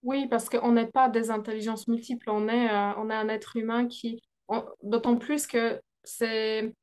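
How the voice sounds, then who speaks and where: Woman, young adult, interview guest, fairly high voice, hesitant, pauses often. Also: level tone, a little mellow, clear, resonant tone. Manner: hesitant, searching for words with many pauses. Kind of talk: conversational interview.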